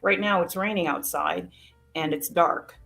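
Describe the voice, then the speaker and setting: A woman's voice: lowish voice, measured pace, gravelly, a bit bright, soft background music. A woman born in Jamaica and raised in Canada, a content creator talking casually and sassily in an interview, calling people "honey". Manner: sassy and encouraging, says "honey".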